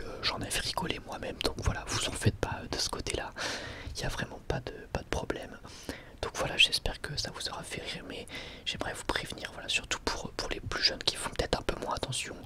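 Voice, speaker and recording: A man whispering informally and a little hesitantly to his viewers as an ASMR host, in a breathy, unvoiced whisper. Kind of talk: whispered ASMR, casual product review.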